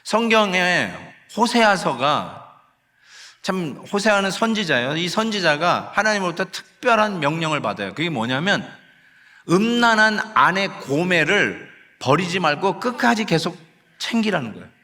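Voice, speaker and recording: A male pastor preaches a conversational sermon in a church sanctuary, mixing in English phrases and acting out short quoted sighs and pleas. His voice is high, sing-song, bright and forceful at normal speed, with long hall reverb.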